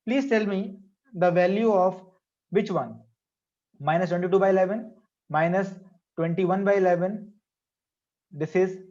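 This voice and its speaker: South Asian accent, teacher, medium pitch, interactive lesson delivery, repeated prompts, dull lo-fi recording. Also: darkish tone. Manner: repeats phrases and questions to prompt pupils. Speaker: maths teacher. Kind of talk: interactive online class lesson, asking questions.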